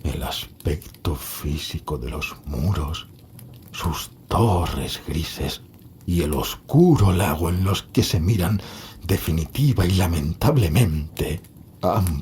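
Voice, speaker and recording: Deep, slow, haunted gothic heir. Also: male voice, warm tone, slight background noise. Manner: slow, brooding, halting dramatic delivery. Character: melancholy, frail, haunted last heir of a doomed lineage. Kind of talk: gothic horror audio drama acting.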